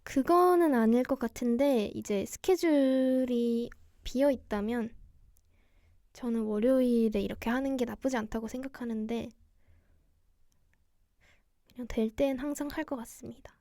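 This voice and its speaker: A young woman hosting a cozy radio-style livestream chat, speaking in a soft, gentle, quiet way. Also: fairly high pitch, unhurried, pauses often, dry recording, clean studio sound. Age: young adult. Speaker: radio DJ host, idol singer livestreaming.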